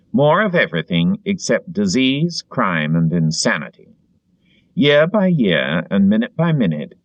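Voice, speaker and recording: A man reading literary narration as an audiobook narrator, in a dramatic, expressive way. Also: fairly low pitch, no echo, dull audio.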